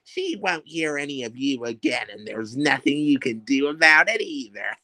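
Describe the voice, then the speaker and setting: Cackling, scheming wicked witch, put on by a woman reading aloud, swoops from low growls to shrieks, dry close sound. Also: sharp tone, no room sound, full character voice. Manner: cackling, gloating, sudden shrieks.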